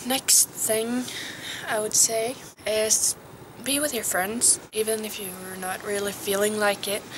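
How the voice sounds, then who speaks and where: A teenage girl from Norway, giving casual advice in a vlog recorded outdoors. She talks softly and hesitantly, sometimes dropping to a whisper. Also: medium pitch, steady tone, takes it slowly, noisy background. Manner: soft, hesitant, drops to a whisper at times. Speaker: vlogger.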